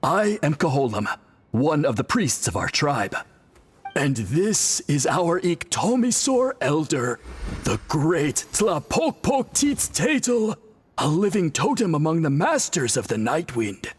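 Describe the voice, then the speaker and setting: An actor playing a dutiful, courteous tribal priest in an anime game, speaking formally and earnestly with a husky voice. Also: male voice, on the high side, sing-song, takes it slowly, a little hiss or hum.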